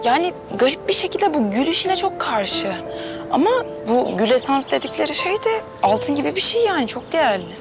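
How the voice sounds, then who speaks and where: A bright, high-voiced little sister. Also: female voice, brisk. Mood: chatty. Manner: earnest, excitable. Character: young woman, eager little sister who draws. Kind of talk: TV drama acting. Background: music.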